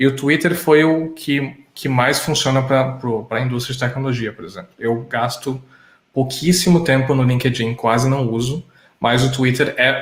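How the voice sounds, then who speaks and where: His intonation is fairly even, his pitch medium. This man's voice comes across somewhat breathy. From Brazil. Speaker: tech solutions architect and conference speaker. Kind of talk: interview. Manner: halting.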